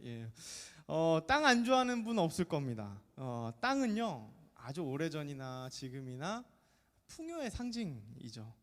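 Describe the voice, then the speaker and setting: A man in his thirties, a pastor giving a chatty, jokey sermon to a middle-school youth group, often asking the congregation questions. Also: a little high. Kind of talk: lively sermon to teenagers. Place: church sanctuary. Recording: long church reverb.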